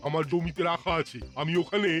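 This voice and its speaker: Guy doing a fussy cartoon headmaster, very high for a man, bossy, music behind. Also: brisk, fairly bright tone, close to an everyday voice. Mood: brisk, stern. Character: fussy school headmaster, a grown man in charge.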